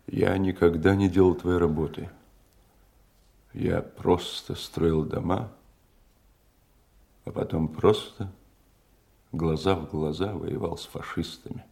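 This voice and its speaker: An actor playing a steady, sympathetic antifascist comrade in an audio drama, speaking in a plain, measured, terse way. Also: male voice, low voice, vocal fry, full character voice. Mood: sympathetic, serious. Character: steady, sympathetic male comrade, builder turned antifascist fighter.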